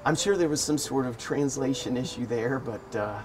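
A man chatting in a relaxed, wry and amused way as he tells everyday stories for his vlog. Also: medium pitch, moderate pace, over music. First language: English. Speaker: vlogger. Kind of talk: casual storytelling vlog. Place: living in Thailand.

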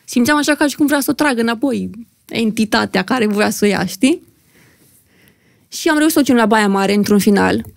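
A young woman with a slightly high, gravelly voice recounts a personal story as a podcast guest. She tells it vividly and with drama, slipping into the voices of the people involved, and the close, dry studio microphone picks up every rasp. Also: dry recording. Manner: vivid, dramatic retelling, acting out what others said. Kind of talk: emotional personal storytelling in conversation.

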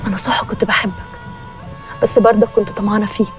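A woman's voice: medium pitch, level tone, fast talker, lightly acted. An actress playing a calculating village woman, speaking bluntly about marriage. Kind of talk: TV drama acting. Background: music.

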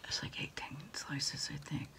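A woman doing a quiet ASMR roleplay as a food delivery order taker on the phone, whispery and soft-spoken, with hesitant, halting phrases. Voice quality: whispery, breathy, mostly unvoiced. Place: small dim desk corner indoors.

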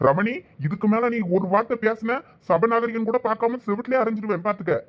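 A man's voice: high-pitched, fairly quick, highs cut off, close to an everyday voice. A man playing a stern village family man with a Thoothukudi Tamil accent, rebuking others.

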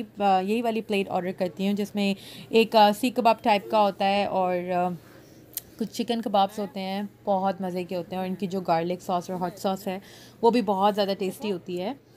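Mom vlogger, thirties, from Pakistan, chatty and direct, recorded on a phone. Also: female voice, mid-range voice, darkish tone. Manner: chatty, addressing viewers directly. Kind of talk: casual vlog narration to camera. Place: indoor mall, then parked car.

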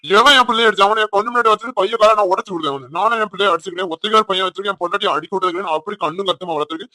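A man's voice: high voice, steady tone, racing, bright, forceful tone. A man voicing a hot-tempered older village father in a cartoon, angry and threatening in a Tirunelveli Tamil accent. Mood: furious.

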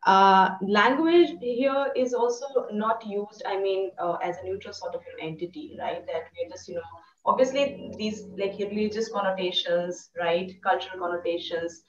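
A woman's voice: medium pitch, moderate pace, roomy sound. Young woman, lecturer, filler-heavy, muffled distant call audio. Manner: thoughtful, many fillers like "you know". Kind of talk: academic discussion on a video call. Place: room indoors. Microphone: video call.

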